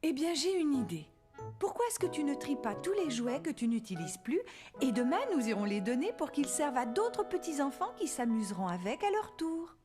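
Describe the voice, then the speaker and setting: High-voiced, gentle cartoon mom. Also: female voice, moderate pace. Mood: gentle, patient. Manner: patient, expressive, explaining simply to a child. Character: gentle, encouraging young mother of a small boy. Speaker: voice actress. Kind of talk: children's cartoon dubbing. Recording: music behind the voice.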